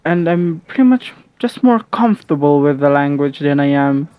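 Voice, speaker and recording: A man's voice: fairly high pitch, lively intonation, moderate pace, no echo. Hesitant young Filipino man, lo-fi. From Philippines. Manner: hesitant, self-correcting, many fillers and restarts. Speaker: vlogger. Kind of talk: casual rambling monologue. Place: home.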